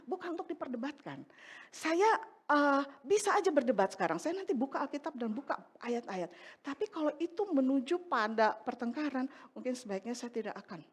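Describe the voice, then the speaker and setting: A woman's voice: a little high, slightly rough. A middle-aged woman preaching a sermon in church, telling a personal testimony and acting out the voices in her story. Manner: animated storytelling, acts out dialogue.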